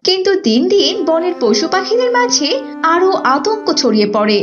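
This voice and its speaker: Lady narrating a kids story, high voice, really animated, music behind. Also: moderate pace, highs cut off. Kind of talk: scripted children's story narration.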